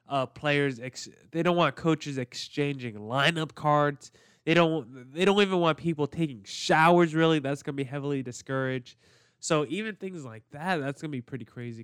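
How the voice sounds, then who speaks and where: Slightly nasal man, clear podcast voice. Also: mid-range voice, fairly bright tone, dry recording, studio quality. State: congested from allergies. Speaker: sports podcast host. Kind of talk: casual solo podcast commentary, with read-out sponsor spots.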